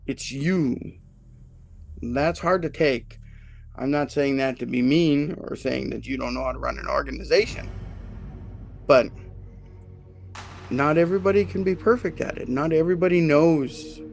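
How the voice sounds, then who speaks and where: A man's voice: mid-range voice, gravelly. A man hosting a live stream as an HR consultant, talking casually and often checking in with "right?". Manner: conversational, self-correcting, asks "right?" often. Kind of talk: casual livestream talk.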